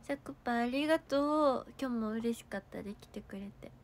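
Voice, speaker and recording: A young woman with a high voice and a Kansai accent, chatting casually on a livestream. She reads viewer comments aloud and thanks people. She coughs now and then and her throat sounds sore. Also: normal speed. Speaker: idol livestreamer.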